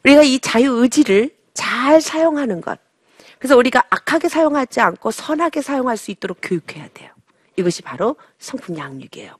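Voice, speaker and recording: Middle-aged woman, church parenting talk, lively swooping pitch, slightly high. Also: fairly quick, breathy edge, no room sound. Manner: lively, acts out babies' and mothers' voices. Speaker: Christian parenting speaker. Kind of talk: sermon-style lecture on parenting.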